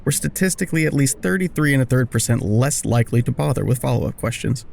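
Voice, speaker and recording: An actor playing a wry, awkward man who narrates his own story in an audio drama with self-deprecating, deadpan, wordy humor. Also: medium pitch, quick pace, vocal fry, a little hiss or hum. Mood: wry narrating. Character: wry, awkward smoker man narrating a reunion with old friend. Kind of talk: first-person scripted narration and dialogue in audio drama.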